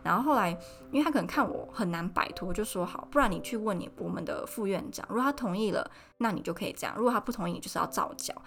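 A young woman tells a personal story in a casual podcast monologue, acting out the people she quotes in a higher voice. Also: fast talker. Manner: animated, acts out quoted people with raised pitch. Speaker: podcast host.

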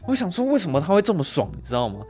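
A man's voice: high voice, huge pitch swings, rapid-fire, darkish tone, soft background music. A man, co-hosting a casual film chat, laughing often, swearing now and then and acting out quotes. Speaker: podcast co-host.

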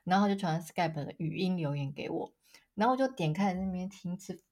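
A woman, co-hosting a casual chat podcast and telling stories in a lively way. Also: brisk. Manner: animated storyteller, acts out quotes with big pitch jumps. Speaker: podcast co-host.

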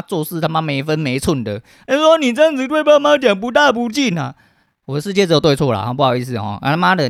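This podcast host, a thirtysomething man with a Taiwanese Mandarin accent, delivers a casual solo rant in a blunt, swear-filled style. He speaks at a medium pitch with a dry, scratchy throat, and there's no echo.

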